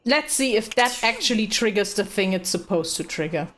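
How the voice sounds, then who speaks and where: A woman's voice: medium pitch, expressive, moderate pace, a bit bright. A woman giving casual gameplay commentary as a streamer, reacting to a video game.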